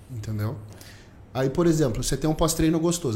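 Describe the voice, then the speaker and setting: At a very fast pace, a man talks in a dark, mellow, somewhat breathy tone with ordinary pitch variation. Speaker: podcast co-host.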